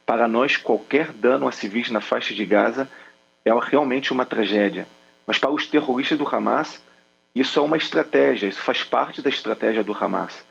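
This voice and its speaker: A man's voice: mid-range voice, normal speed, creaky, slightly rough, muffled recording. A man in his forties with a Rio de Janeiro Brazilian accent, a military spokesman answering earnestly on a video call, with frequent hesitation fillers. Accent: Rio de Janeiro Brazilian Portuguese. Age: 40s. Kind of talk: remote interview answers.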